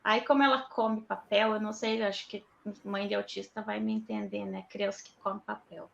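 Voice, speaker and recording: A woman's voice: medium pitch, fairly even intonation, normal speed, gravelly, slight background noise. A woman, a mother of autistic twins, chatting casually on a video call from her home toy room and acting out her children's words. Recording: dull echoey home room.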